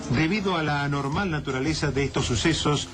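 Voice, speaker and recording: Man playing solemn radio news guy, measured disaster bulletin, highish voice, music behind. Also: close to an everyday voice. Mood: solemn, warning. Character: grave male radio newsreader in an alien-disaster emergency bulletin. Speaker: radio newscaster. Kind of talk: dramatized emergency news bulletin.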